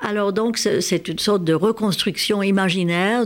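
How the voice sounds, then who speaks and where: A woman with a Hungarian accent at medium pitch and a fairly slow pace, ordinary pitch variation, very clean recording with a silent background. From Hungary (Budapest). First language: Hungarian (speaking French). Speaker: literature professor and author. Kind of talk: radio interview.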